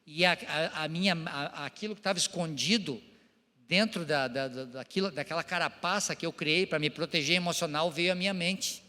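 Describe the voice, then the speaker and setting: A middle-aged pastor preaching a personal testimony to his congregation, emotional and halting, often turning to address the listeners. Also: fairly high pitch, sharp tone. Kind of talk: testimony sermon. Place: church hall. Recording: long church-hall reverb.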